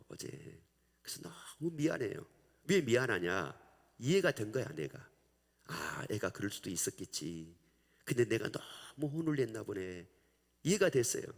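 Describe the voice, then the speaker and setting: Male pastor, sermon, very lively pitch, drops to whispers, long church reverb. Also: measured pace, creaky. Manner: animated storytelling, swinging between loud emphasis and near-whispers.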